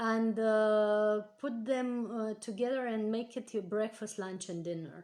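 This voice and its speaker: This woman has a fairly high voice and fairly even intonation. She speaks at a fairly slow pace. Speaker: breatharian teacher and workshop leader. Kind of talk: live-stream program talk. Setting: online live stream. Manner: loud; hesitant with many fillers.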